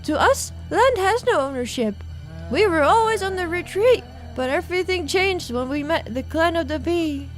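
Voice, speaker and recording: A woman voicing a courteous, gentle lady healer in a fantasy game, speaking in a polite, formal, measured way. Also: very high-pitched, expressive, soft background music. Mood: solemn.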